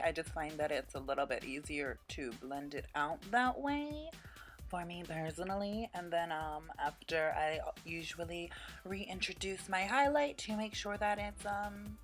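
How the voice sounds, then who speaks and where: A woman with a fairly low voice talks through a makeup tutorial over clearly audible music. She is casual and chatty, keeping her delivery informal with a playful, quirky streak.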